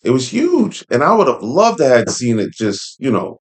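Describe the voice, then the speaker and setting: A man's voice: medium pitch, huge pitch swings, normal speed. A man hosting a casual read-along commentary, speaking in an informal, opinionated way with conversational asides. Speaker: host and commentator. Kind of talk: casual commentary while reading an article aloud.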